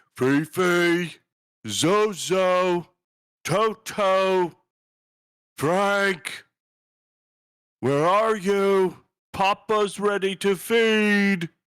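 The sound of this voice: A bellowing put-on character voice at a middle pitch, very slow with long, frequent pauses, on a very clean recording with a silent background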